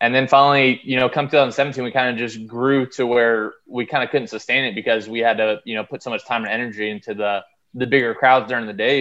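A man speaks at a fairly quick pace with a plain, everyday voice. His pitch is medium and his intonation fairly even. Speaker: relay participant, civilian. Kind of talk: casual interview.

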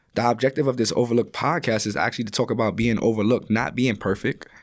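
In a very clean recording with a silent background, a man speaks very fast. His intonation stays fairly even. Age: 30s. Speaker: podcast host and content creator. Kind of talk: solo podcast monologue. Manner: casual, conversational with frequent fillers.

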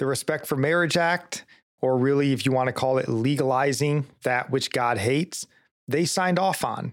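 An American accent comes from a man with an unremarkable speaking voice, fairly high in pitch with ordinary pitch variation. He keeps a moderate pace on a very clean recording with a silent background. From Michigan. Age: 30s. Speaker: podcast host. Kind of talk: casual chat.

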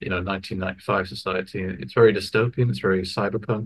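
A man speaks with an English accent in a fairly low pitch. His voice is somewhat breathy, with fairly even intonation. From England. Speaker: podcast guest. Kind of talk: casual chat.

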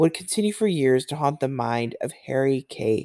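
A woman's dark, mellow tone with very wide pitch swings at a fairly slow pace, on a very clean recording with a silent background. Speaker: podcast host. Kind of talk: true-crime narration. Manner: halting, stumbling over words and repeating them.

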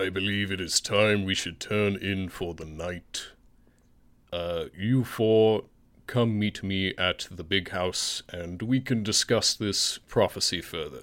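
Putting on a character voice, a man talks at a fairly slow pace with a fairly low pitch. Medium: actual play. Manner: measured, formal.

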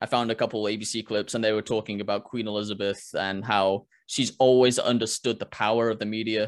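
A man with a fairly low pitch talks at a fairly quick pace in a monotone, flat intonation. The recording is very clean, with a silent background. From born in UK, raised in US. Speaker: YouTube commentator with anthropology and biology degrees. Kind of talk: interview conversation.

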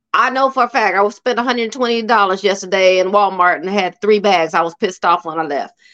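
A woman's normal speaking voice at a moderate pace, with hardly any pauses and ordinary pitch variation. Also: medium pitch for a woman. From Ohio. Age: 50s. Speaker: corporate manager and travel consultant. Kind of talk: casual chat.

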